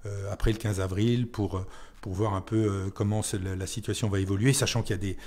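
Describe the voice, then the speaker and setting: A man's voice: fairly low pitch, fairly even intonation, brisk, darkish tone. A man speaking as a town mayor in an unscripted radio interview, hesitating and repeating words as he searches for phrasing.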